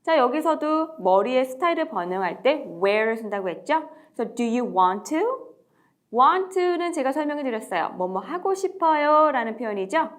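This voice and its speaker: A woman teaching everyday English phrases to parents, modelling each phrase slowly and clearly. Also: high-pitched, big pitch swings. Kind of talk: slow, deliberate language lesson.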